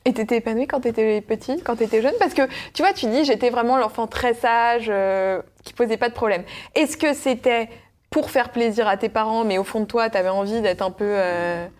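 A woman's voice: a little high, moderate pace. Young woman interviewer. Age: 20s. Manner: relaxed, conversational questioning. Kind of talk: casual interview questions.

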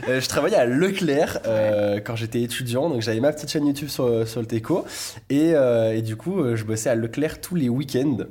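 A YouTuber in his twenties, appearing as a guest, chats casually through an interview with lots of fillers and restarts. His voice is medium-pitched, dark and husky, and he talks a little fast.

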